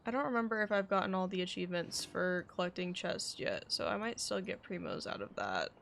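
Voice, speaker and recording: Creaky-voiced young woman streaming a game. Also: lowish voice, animated, a little fast, fairly bright tone, a little hiss or hum. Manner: rambling, thinking aloud. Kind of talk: casual live gameplay commentary. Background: game music.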